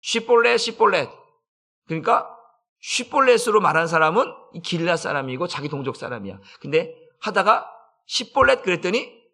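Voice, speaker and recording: Male pastor, dawn sermon: gravelly, bright tone, loud pushes that drop to hushed asides. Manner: swings between loud urgent bursts and soft low asides. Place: church sanctuary.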